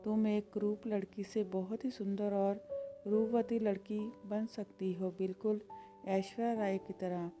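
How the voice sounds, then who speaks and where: A woman's voice: medium pitch, flat delivery, unhurried, warm tone, faint music behind, lightly acted. A woman voicing a grumpy, fussy male ghost in a storybook tale, scolding and squeamish. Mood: bossy. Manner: scolding, squeamish, sing-song chants. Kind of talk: storybook character voice.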